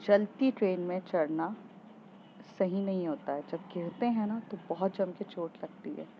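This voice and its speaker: Krisha is a protective, worried young woman who speaks softly but firmly, as a woman storyteller voices her. The recording is slightly dull and lo-fi, with a faint hiss behind it. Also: lowish voice, a little slow. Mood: stern warning.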